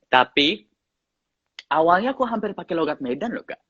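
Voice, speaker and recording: A man's voice: a little high, moderate pace, breathy edge, no echo, dull audio. Chatty man with a slight English accent. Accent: slight English accent in his Indonesian. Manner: relaxed, chatty, mixes English into his speech, laughs often. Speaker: actor guest. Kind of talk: casual interview chat.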